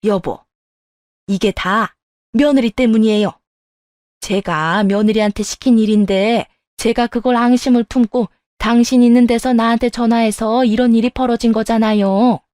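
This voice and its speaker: A woman voicing a selfish middle-aged mother-in-law who shouts and then pleads, in a dry close recording. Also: fairly high pitch, fairly even intonation, normal speed, no echo, close to an everyday voice. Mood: pleading. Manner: yelling, then pleading and whiny.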